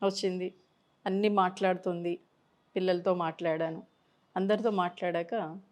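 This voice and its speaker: A woman's voice: on the low side, level tone, moderate pace. A woman counselor giving a health advice talk to camera, explaining through patient stories and mixing in English words.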